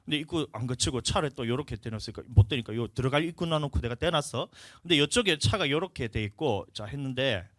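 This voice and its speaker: Animated pastor. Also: male voice, medium pitch, no room sound, clean studio sound. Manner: animated storytelling, acts out a quarrel. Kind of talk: sermon. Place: church.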